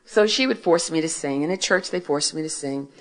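A woman in her sixties from Philadelphia speaks to a gathered audience about her faith. Her voice sits low and deep. She tells her story warmly paced, asking questions and answering them herself. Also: a little fast, low-quality recording. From Philadelphia, United States. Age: 60s. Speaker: author and speaker. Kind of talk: faith testimony talk to an audience.

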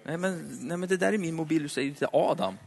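A man preaching a sermon in a chatty, playful way, slowing down for dramatic emphasis. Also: fairly high pitch, creaky. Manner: conversational, dramatic slowdowns, playful asides. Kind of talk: lively sermon. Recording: hall reverb.

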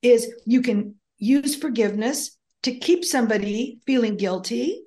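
A woman's voice: fairly high pitch, measured pace, a little mellow. An older woman whose first language is Greek, talking as a guest in a casual interview, rambling with frequent ums and restarts. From United States. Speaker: author and guest.

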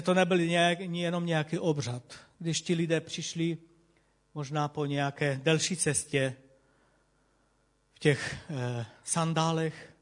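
A male preacher gives a sermon in a church hall, reading scripture and explaining it. He speaks earnestly and emphatically, repeating phrases to stress them, in a somewhat high voice for a man.

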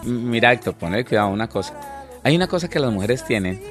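A man's voice: on the low side, expressive, fast talker, over music. A man, a minister co-hosting a casual Christian talk show, acting out spouses in quoted lines and often repeating his words. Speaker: minister, co-host. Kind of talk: casual chat on a Christian program.

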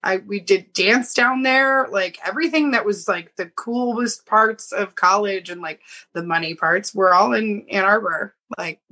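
A woman's voice: medium pitch, measured pace, sharp tone. A woman co-hosting a podcast, telling rambling stories in casual chat. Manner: rambling, filler-heavy storytelling. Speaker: podcast co-host.

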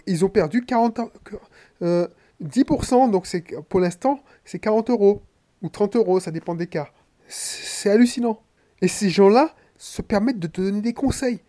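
A man's voice: high voice, expressive, normal speed, mellow. A man from Martinique with a head cold, a podcaster and coach talking bluntly and slangily straight to the listener in a casual monologue.

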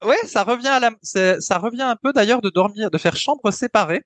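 High-voiced chatty podcast man. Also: brisk, a bit bright, no echo. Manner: chatty, explains with hesitant fillers. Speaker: podcast co-host. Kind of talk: casual podcast chat.

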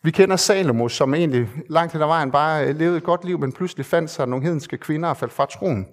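Earnest Danish-speaking preacher, fairly high voice. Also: male voice. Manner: earnest, conversational with fillers and repeated emphasis. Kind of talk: sermon.

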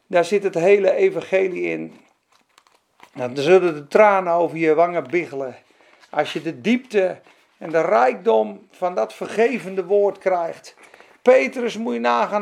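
Male preacher with a high, rough-edged voice; fervent, chatty sermon delivery. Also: darkish tone. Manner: fervent, conversational storytelling with asides.

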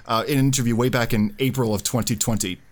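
A man's voice: medium pitch, steady tone, quick pace. A man hosting a casual podcast, chatty and talkative, with filler words and restarts. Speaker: podcast host.

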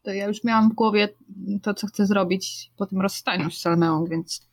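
A woman's voice: medium pitch, steady tone, normal speed. Female tabletop player, thoughtful, rambling, casual chat. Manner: thoughtful, rambling, searching for words.

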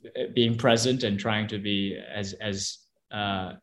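A young man, an actor whose first language is Korean, answering interview questions thoughtfully, with frequent restarts and soft laughs. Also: on the low side, fairly even intonation, slow.

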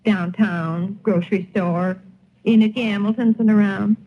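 Actress doing a folksy housewife, gossipy, old radio play, muffled and a bit hissy. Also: female voice, mid-range voice, steady tone, a little slow, natural voice. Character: chatty, folksy small-town American housewife, easily amazed. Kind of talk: 1940s radio acting. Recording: dull, hissy vintage radio recording.

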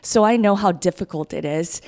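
Here a Kansas-raised woman in her thirties, born in Guatemala with Spanish as her native tongue, tells her story as a guest on a podcast during her run for mayor. Her lowish voice is a little mellow and proceeds at normal speed, warm with upbeat earnestness.

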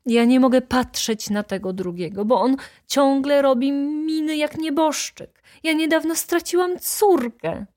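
A woman's voice: a little slow, mellow. A woman voicing a hysterical middle-aged baroness who wails her complaints in an audiobook. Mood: wailing. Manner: wailing, high-strung complaints.

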